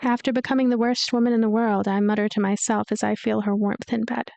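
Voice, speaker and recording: A woman with a fairly high voice narrates a visual novel for a let's play, mixing read-aloud story with casual commentary. Game music plays behind her. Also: level tone, fast, vocal fry, a little mellow, no room sound.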